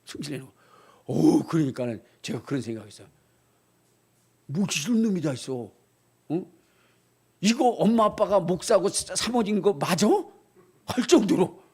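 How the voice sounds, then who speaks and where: An older male pastor preaching a sermon, telling a homely story and then building up to shouted appeals. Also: sits high, normal speed, pauses often, husky. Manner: animated, swings from quiet storytelling to shouting.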